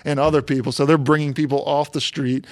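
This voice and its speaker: A man's voice: on the high side, level tone, a little fast, a little mellow, dry recording, studio quality. A man co-hosting a car show, talking casually and rambling a little, with fillers and restarts.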